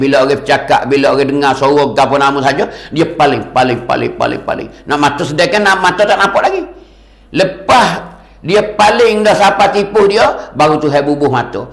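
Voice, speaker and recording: A man giving a sermon lecture as a religious teacher, animated and repetitive, his voice rising and falling for emphasis. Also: on the high side, reverberant.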